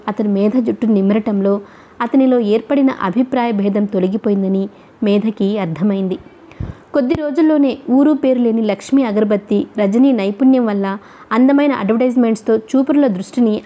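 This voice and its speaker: A woman narrating a novel as an audiobook reader, in a steady, even storytelling manner. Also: medium pitch.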